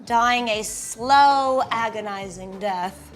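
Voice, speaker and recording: A woman's voice: fairly high pitch, takes it slowly, soft background music. A woman and mother answering interview questions in a cheerful, playful way. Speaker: cookbook writer.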